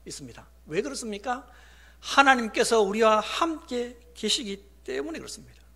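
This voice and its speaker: A middle-aged man preaching a sermon in a very high voice. His tone is bright and forceful. He moves between hushed, whispered lines and loud, emphatic declarations, and acts out the people and God he quotes. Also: sing-song, moderate pace, slightly rough. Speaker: pastor.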